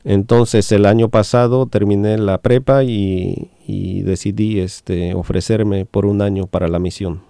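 Slow gravelly-voiced man, hesitant host. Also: fairly low pitch, fairly even intonation, mellow, no echo, studio quality. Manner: many fillers and restarts, slow and halting. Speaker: radio host and interpreter. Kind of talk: hesitant radio talk.

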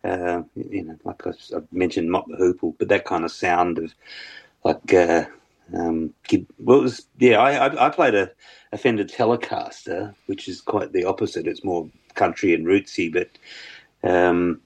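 A man with a very low bass voice, talking hesitantly as a musician guest in an interview, with many fillers and restarts. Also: moderate pace, creaky, husky. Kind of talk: casual interview chat.

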